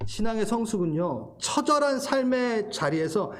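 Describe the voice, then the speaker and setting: Male pastor, middle-aged, higher voice, very expressive pitch, laughs through stories, earnest sermon. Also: moderate pace. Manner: laughing, emotional storytelling turning to earnest preaching.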